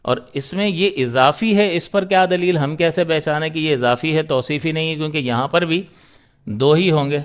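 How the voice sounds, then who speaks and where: Clear-voiced man teaching grammar. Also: a little high. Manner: explains step by step, asks and answers his own questions. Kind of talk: grammar lesson.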